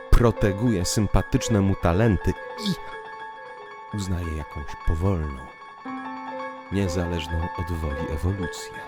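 Male narrator for literary audio drama: deep bass, unhurried, declamatory, hushed to emphatic, over music. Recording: piano music behind the voice. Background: piano music.

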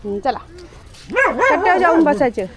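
A woman's voice: extremely high pitch, big pitch swings, moderate pace, a loud crowd. A woman, talking to her pet dog outdoors in a coaxing, repetitive, sing-song way. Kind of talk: casual coaxing talk to a dog.

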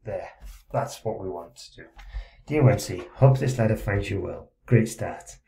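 A man's voice: on the low side, lively intonation, measured pace, gravelly, warm tone. A man tutoring English writing, reading a student's letter aloud and stopping to correct it, with frequent check-ins and encouragement. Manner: reads student text aloud, breaks off to comment. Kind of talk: essay correction screencast.

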